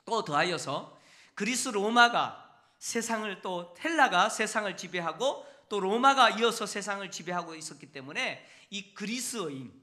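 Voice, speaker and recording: High bright-voiced male pastor preaching. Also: lively intonation, moderate pace. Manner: teaching, asks the congregation frequent rhetorical questions. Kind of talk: sermon. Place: church sanctuary.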